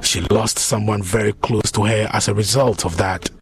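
A man with a Ghanaian accent narrating a news field report in a steady, descriptive way. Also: lowish voice, moderate pace.

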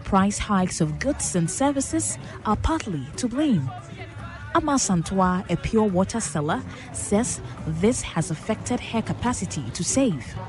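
A woman's voice: mid-range voice, sing-song, measured pace. Ghanaian woman narrating a radio report over music. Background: music under the voice.

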